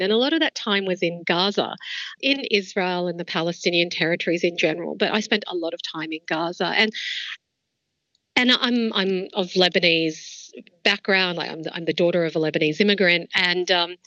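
A woman's voice: mid-range voice, sharp tone, no room sound, dull audio. A woman who was a foreign correspondent, speaking candidly in an interview with many casual fillers. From Australia. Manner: candid, frequent "like" and "you know" fillers. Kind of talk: reflective interview answers.

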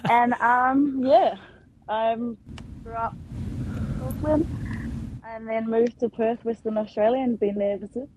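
A woman's voice: fairly high pitch, fairly even intonation, slow, long pauses, noisy background. A young woman from New Zealand with a New Zealand accent, chatting as a guest athlete with many ums. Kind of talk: casual interview.

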